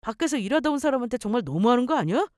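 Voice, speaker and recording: A woman's voice: fairly high pitch, big pitch swings, racing, darkish tone, no echo, studio quality. A woman voicing an irritated grown son who whines and complains. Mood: whiny. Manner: whining, exasperated complaints.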